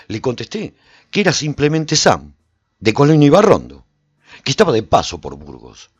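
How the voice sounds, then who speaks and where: A man's voice: mid-range voice, wildly swooping pitch, moderate pace, slightly rough, dry recording, lo-fi sound. A man giving an intense, dramatic first-person narration for a radio serial.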